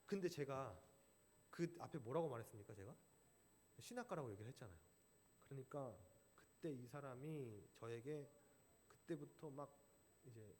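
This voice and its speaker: Lively high-voiced man preaching in a hall. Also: slight background noise. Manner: storytelling, acting out quoted voices. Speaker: pastor. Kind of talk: sermon. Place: church sanctuary. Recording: church hall reverb.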